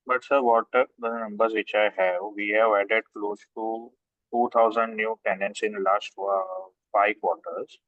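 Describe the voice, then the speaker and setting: A man's voice: lowish voice, fairly even intonation, measured pace, dry recording. A man with an Indian accent, an analyst caller asking questions on an earnings call, polite but persistent. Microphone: remote call line. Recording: distant, narrow, radio-like phone line.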